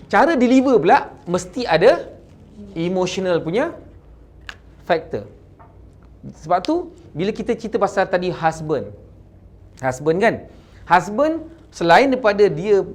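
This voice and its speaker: Malaysian guy giving a sales training talk, switches into english a lot, keeps asking kan?. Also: high voice. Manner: mixes English into Malay, asks "kan?" often, lively stresses. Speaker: insurance agent trainer.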